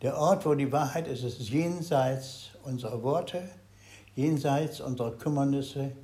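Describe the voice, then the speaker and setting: An older man giving a Zen meditation talk to a group, speaking haltingly, searching for words and swinging between loud and very soft. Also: mid-range voice.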